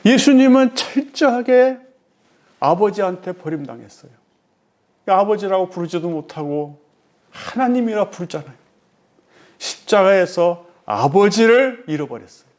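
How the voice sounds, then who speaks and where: A middle-aged male pastor preaching a sermon in a fairly high voice. He presses his points with rhetorical questions to the congregation. His delivery swings between raised, emphatic lines and sudden hushed, low phrases.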